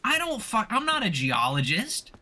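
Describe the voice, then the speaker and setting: A man's voice: high-pitched, wildly swooping pitch, normal speed, pushed and bright. A man playing a game and commenting casually as co-host, joking, arguing and swearing. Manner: argumentative, sweary banter.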